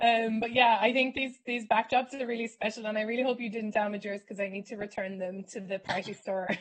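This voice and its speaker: A woman's somewhat breathy delivery with an Irish accent, a fairly quick pace, fairly even intonation and hardly any pauses. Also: fairly high pitch for a woman. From rural Ireland. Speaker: comedy show host. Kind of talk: comedic banter on charity live stream.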